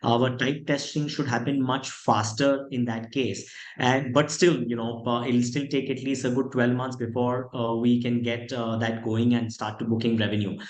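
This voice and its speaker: An Indian-accented man speaks as a company executive fielding questions on a call. His voice sits at a middle pitch and he explains things in a measured way. The room around him is noticeably echoey. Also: flat delivery. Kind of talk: conference call question and answer.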